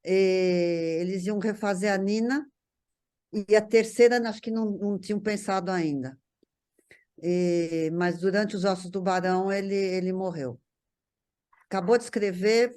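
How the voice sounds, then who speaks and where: Female guest, Brazilian accent, mid-range voice, casual recollection, halting delivery with restarts. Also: medium pitch, steady tone, darkish tone. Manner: halting, repeating words and restarting. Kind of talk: casual reminiscence.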